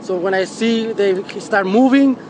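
A middle-aged man giving a halting eyewitness account in an unscripted street interview. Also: high-pitched, darkish tone. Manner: halting, repeats words. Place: outdoors, roadside with trees. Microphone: handheld reporters' microphones. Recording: noisy outdoor news interview.

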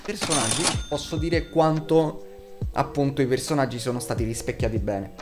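A young man in his twenties delivers a blunt, emphatic review in a casual, sweary way. His voice sits at a middling pitch. Music plays behind him as he talks. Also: normal speed. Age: 20s. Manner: blunt, foul-mouthed, emphatic. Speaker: video reviewer. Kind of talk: casual opinionated review to camera. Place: small room at home, indoors.

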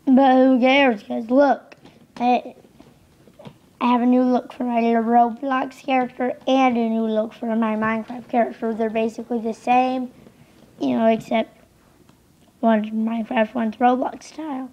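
Young female gameplay commentator, under the weather, hoarse. Slow, flat, offhand delivery, slightly dull lo-fi home mic. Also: fairly high pitch. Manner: rambling, offhand, easily distracted. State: losing voice, sick. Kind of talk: casual game commentary.

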